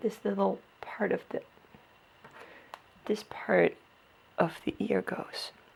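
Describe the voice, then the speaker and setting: A woman mumbles at a very slow pace with a non-native accent. Noticeable background noise runs underneath. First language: not English. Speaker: doll maker. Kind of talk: casual demonstration. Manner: mumbling; halting.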